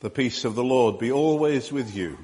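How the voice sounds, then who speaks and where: A man's voice: mid-range voice, moderate pace, darkish tone. A man helping lead a church service, speaking in a light, lightly joking way, his voice ringing in a long churchlike reverb. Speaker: church service leader and quiz scorekeeper.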